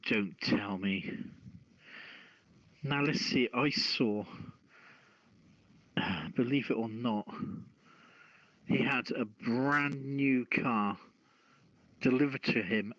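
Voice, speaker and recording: Podcast news host: male, measured and halting, casual commentary, dry low-fidelity streamed sound. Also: fairly bright tone, dry recording. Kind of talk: casual news commentary mixing reading and chat. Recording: dull, lo-fi streamed audio.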